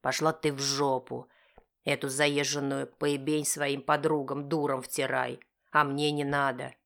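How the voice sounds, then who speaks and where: A woman voicing an enraged middle-aged husband who snarls harsh, cursing retorts in her own low voice. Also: flat delivery, unhurried, gravelly, fairly bright tone, heavily acted. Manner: harsh, snarling through teeth.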